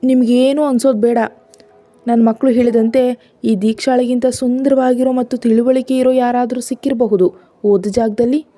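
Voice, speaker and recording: A woman's voice: on the high side, fairly even intonation, normal speed, mellow, dry recording, pitched above the performer's own voice, lightly acted. A woman voicing a jealous, hurt young wife and mother who accuses and pleads. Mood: accusing.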